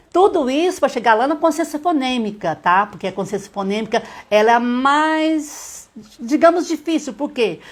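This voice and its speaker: A middle-aged woman, a literacy teacher on a live stream, explaining step by step, often checking in with her viewers and sounding out letters slowly. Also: a little high.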